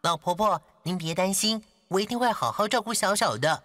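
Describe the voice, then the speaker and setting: A woman's voice: mid-range voice, expressive, a little fast, fairly bright tone, dry recording, clean studio sound, close to an everyday voice. A woman playing a tiny, gallant young prince in a children's storybook cartoon, sincere and devoted. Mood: sincere, tender.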